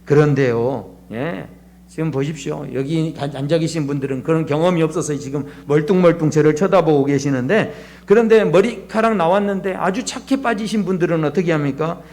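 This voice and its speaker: A man's voice: a little high, a little fast, darkish tone. A pastor preaching a sermon to a seated congregation in a church. He talks conversationally, asks the listeners rhetorical questions and acts out everyday speakers with changed voices.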